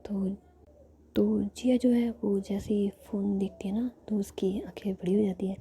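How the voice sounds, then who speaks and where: A woman narrating a romantic story in a steady whisper. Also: medium pitch, measured pace, slight background noise. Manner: soft whisper throughout, flat delivery.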